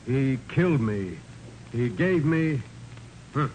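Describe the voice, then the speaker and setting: An actor playing a grumbling, excitable American police sergeant in 1940s radio style, blustery and sarcastic. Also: male voice, medium pitch. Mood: gruff, businesslike. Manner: blustery, sarcastic, halting when flustered. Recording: noisy old 1940s radio recording.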